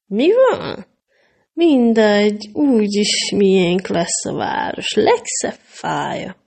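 A glum little storybook boy who mutters sadly and yawns his way through replies, as a woman reads him. The voice has a gravelly, husky texture. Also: mid-range voice, wildly swooping pitch, a little mellow, exaggerated voice. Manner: glum, sleepy. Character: young boy, gloomy then indignant.

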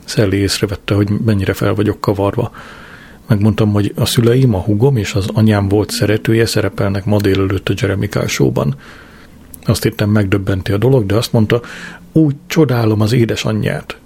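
A male narrator reads a diary novel in dry, first-person narration. His voice sits low, with a gravelly grain. There is a husky, breathy edge on every line. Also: fairly even intonation, a little mellow. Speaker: audiobook narrator.

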